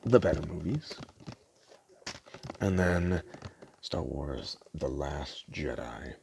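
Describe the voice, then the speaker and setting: A man doing a soft-spoken ASMR roleplay as a store clerk, talking in a casual, hesitant, rambling way. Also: rumbling low, lively intonation, slow, creaky, background noise. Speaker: ASMR creator playing a DVD store clerk.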